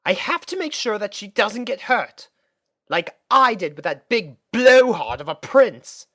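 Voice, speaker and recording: A woman's voice: mid-range voice, very animated, unhurried, a bit bright, pitched above the performer's own voice. A woman voicing a refined, fussy young lady pony who talks in a theatrical, prim and genteel way. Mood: musing, worried.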